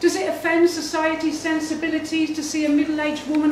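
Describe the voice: A woman speaks at a high pitch with little pitch movement. Room echo is audible.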